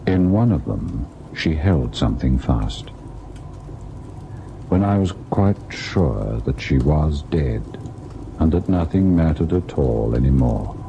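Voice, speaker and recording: An actor playing a haunted husband who tells and relives a ghost story in a grave, deliberate radio drama style. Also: male voice, extremely low pitch, gravelly, warm tone, lo-fi sound, full character voice. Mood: numb, grave. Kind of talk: old-time radio ghost story acting, narrating and in scene. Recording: noisy old radio drama recording.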